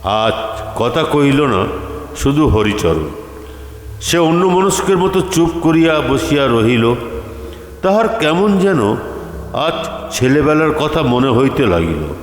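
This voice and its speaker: Slow male storyteller in a reverberant hall. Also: medium pitch, very animated. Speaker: story reader. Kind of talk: scripted literary story narration. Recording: echoey hall reverb, faint music. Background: faint background music.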